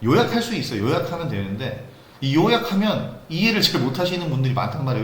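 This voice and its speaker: Noticeable background noise runs through the clip. Room echo is also audible. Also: man. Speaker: stock market broadcaster. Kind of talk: live stream market talk. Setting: live online broadcast. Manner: fast.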